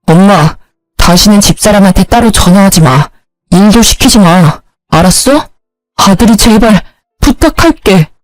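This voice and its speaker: A woman's voice: mid-range voice, expressive, a little slow, dry recording, natural voice, low-quality recording. A woman voicing a young husband who apologises and begs. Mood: pleading. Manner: pleading. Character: defensive young husband, sulky then pleading.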